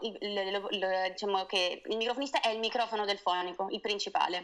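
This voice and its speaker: A woman talks fairly quickly, her pitch sitting in the middle of her range and rising and falling in an ordinary way. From northern Italy, near the Swiss border. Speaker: film boom operator. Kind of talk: interview. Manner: halting, with many repetitions.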